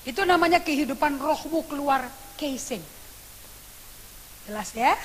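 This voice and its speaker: A woman pastor, preaching a sermon and telling a story in an animated way, acting out what people said. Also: high-pitched, a little slow. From Indonesia. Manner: animated storytelling with acted quotes. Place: church. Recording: long reverb church hall with faint hiss.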